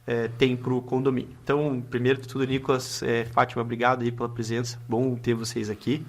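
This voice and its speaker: A man's voice: medium pitch, level tone, fast. Chatty Brazilian man hosting a podcast. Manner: chatty, frequent filler tags and restarts. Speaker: podcast host and lawyer. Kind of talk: casual interview chat.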